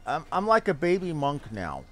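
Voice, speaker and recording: A man's voice: fairly high pitch, huge pitch swings, normal speed. Man thinking aloud over game music. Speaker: game streamer. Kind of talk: casual gameplay commentary, musing aloud. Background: video game music.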